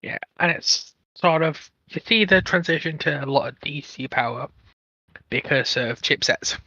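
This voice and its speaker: A man with a very bright, forward voice talks through technical matters casually. He speaks haltingly, feeling for the right word. The sound is close and dry, though a little muffled. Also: on the high side, creaky, no echo. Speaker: panel guest.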